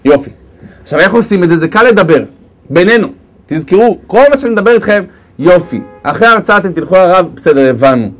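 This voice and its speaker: A man giving a storytelling religious lecture, lively and acting out the characters as he goes. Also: high voice, soft background music. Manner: lively, acts out characters with big swings of voice. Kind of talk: storytelling sermon.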